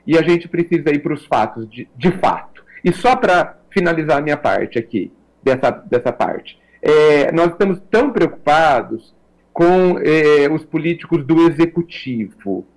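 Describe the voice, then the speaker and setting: A Brazilian man talking as a guest on a radio talk show, reflective and measured, often checking in with a tag question. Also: a little high, lively intonation, low-quality recording. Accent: Brazilian Portuguese. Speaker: guest commentator.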